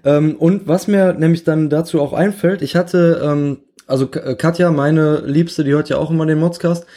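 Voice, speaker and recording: A man's voice: on the high side, steady tone, normal speed, dark tone. A man co-hosting a casual podcast, talking in a rambling, hesitant way with many tag questions. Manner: rambling, hesitant, full of "ne?" and "sag ich mal". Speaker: podcast co-host.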